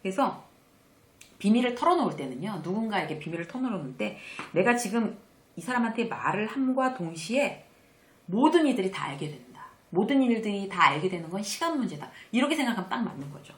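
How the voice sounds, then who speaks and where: A woman giving a conversational lecture on workplace manners, acting out the quoted lines in a lively, chatty way. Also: mid-range voice, brisk, roomy sound.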